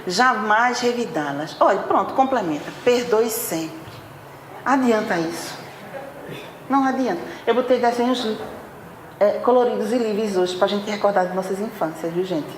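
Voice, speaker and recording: A woman giving a spiritual talk at a spiritist center, chatty and animated as she acts out everyday scenes. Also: medium pitch. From Northeast Brazil. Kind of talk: spiritual talk to a live audience. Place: meeting hall of a spiritist center. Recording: roomy hall, faint background noise.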